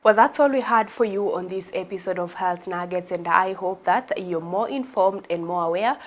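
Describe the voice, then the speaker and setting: A woman hosting a TV health show, asking measured, polite questions. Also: mid-range voice. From Kenya. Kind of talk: interview hosting.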